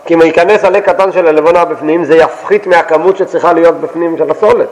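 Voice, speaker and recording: Higher-voiced man teaching, echoing room. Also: fairly even intonation, darkish tone. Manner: quotes a verse, then explains it in plain everyday words; asks and answers his own questions. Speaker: Torah teacher. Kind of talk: text study lesson.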